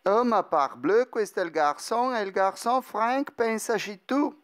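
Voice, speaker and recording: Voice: medium pitch, lively intonation, unhurried, a little hiss or hum, close to an everyday voice. A performer voicing a servile, scheming male vampire in a cartoon fandub, dropping French words into the lines. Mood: sly, scheming. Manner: peppers speech with French words.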